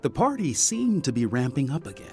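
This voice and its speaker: A man narrating a scripted audio mystery drama as a polished, deliberate storyteller. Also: medium pitch, very animated, dark tone, soft background music. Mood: storytelling.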